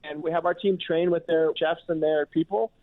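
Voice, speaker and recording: A man's voice: a little high, steady tone, normal speed. Chef guy on a radio show, chatty, keeps restarting, sounds like a phone line. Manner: chatty, many restarts and "you know". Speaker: chef and restaurant owner, guest. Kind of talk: casual radio interview talk. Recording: tinny phone-line audio.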